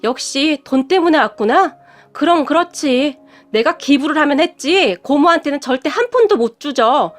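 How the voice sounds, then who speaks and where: Storybook figure: high, sharp-tongued young wife, indignant, read by a woman narrator, faint music under. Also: lively intonation, normal speed. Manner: sharp, retorting.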